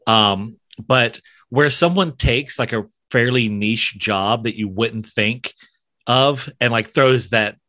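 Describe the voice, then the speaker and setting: Podcast host, man with a light Southern accent, bright tone, stumbling but eager. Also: medium pitch. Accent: mild Southern US. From South Central Alabama, USA. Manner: halting, many restarts, friendly enthusiasm. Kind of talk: casual interview chat.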